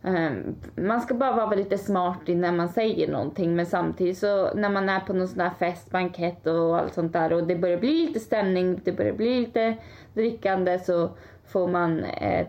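A woman's voice: fairly low pitch, darkish tone. A woman in casual chat, giving her opinions in a down-to-earth way. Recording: dull lo-fi sound.

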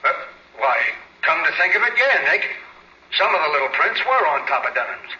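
An actor playing a plain-spoken homicide police sergeant in a 1940s radio drama. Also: male voice, a little high, sing-song, fairly quick, sharp tone, exaggerated voice. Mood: businesslike, puzzled. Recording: muffled, echoey 1940s radio recording.

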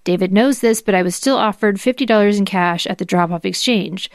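Female podcast host, formal read-aloud of legal paperwork with small asides, mid pitch, very dry recording. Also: brisk, no echo. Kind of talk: dramatic reading of legal documents.

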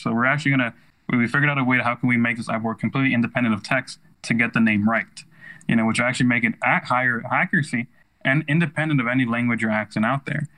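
A man's voice: mid-range voice, pushed and bright, rough recording. An American man giving casual, enthusiastic and emphatic explanations as an interview guest, often adding "you know". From United States. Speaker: tech startup founder, interview guest.

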